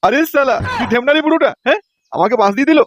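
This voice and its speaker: A man's voice: very high-pitched, lively intonation, very fast, no echo. A man playing a suspicious, bullying older householder in a comedy cartoon, scolding indignantly. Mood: indignant, threatening.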